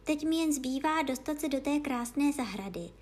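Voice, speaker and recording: A woman voicing a polite young girl in a storybook reading, with a raised, drawn-out, indignant girlish voice. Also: high-pitched, animated, a little mellow. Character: young girl, polite but easily offended.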